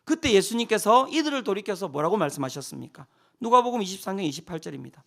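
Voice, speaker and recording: A male pastor delivers a revival sermon in a strikingly high voice that rises and falls with lively pitch. He swings between loud, dramatic cries and hushed near-whispers. He keeps putting rhetorical questions to the congregation. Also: fast, gravelly.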